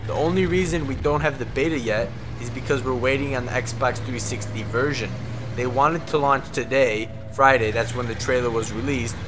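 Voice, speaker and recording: A man's voice: mid-range voice, moderate pace, over music, low-quality recording. A young man talking over gameplay footage as a game commentator, casual and frank, swearing when he gets frustrated. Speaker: gaming commentator.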